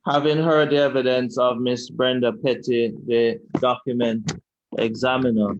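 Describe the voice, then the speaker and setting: Deliberate Jamaican lawyer cross-examining. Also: male voice, medium pitch, lo-fi sound. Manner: measured, deliberate, repetitive questioning. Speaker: lawyer questioning a witness. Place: inquiry hearing room.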